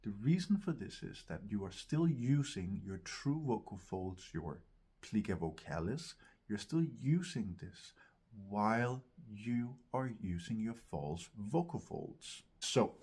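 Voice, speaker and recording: A man teaching vocal technique in an instructional video, explaining gently step by step and often checking in. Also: lowish voice, slightly rough. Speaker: vocal coach, host of a tutorial series.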